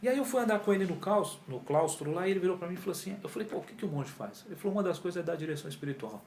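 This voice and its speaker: His voice sits high and comes out rapid-fire, with a little hiss or hum in the recording. This man, a yoga teacher in his 40s from Brazil, animatedly shares his story as an interview guest in a casual chat, acting out his past dialogue and relying on lots of slang, all within an echoey room with faint ambience.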